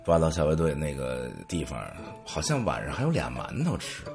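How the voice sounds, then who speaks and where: Low-voiced man telling stories. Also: moderate pace, faint music behind. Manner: humorous, anecdotal, lively. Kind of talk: storytelling monologue.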